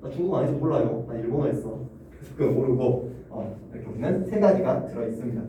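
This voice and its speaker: A man's voice: mid-range voice, expressive, fast talker, warm tone. A male Korean language teacher giving a classroom lecture, asking students questions and chuckling often. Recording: roomy classroom echo, distant mic, faint hum.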